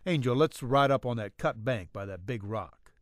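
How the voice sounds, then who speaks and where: A man acts out a young ranch hand in an audiobook, plain-spoken and tender. His voice sits at a middle pitch with lively movement, recorded very dry. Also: moderate pace, no echo, lightly acted. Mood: tender, earnest. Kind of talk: audiobook character dialogue.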